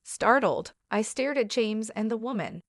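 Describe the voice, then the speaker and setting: A woman's voice: a little high, lively intonation, unhurried, no echo. Woman narrating a story, dry close sound. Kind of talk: first-person story narration.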